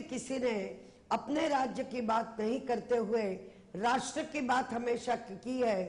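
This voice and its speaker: Amid noticeable background noise and audible room echo, a woman with a Gujarati accent speaks at a high pitch with fairly even intonation. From Maharashtra, India (Mumbai). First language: Gujarati (speaking Hindi). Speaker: politician. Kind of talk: TV political interview.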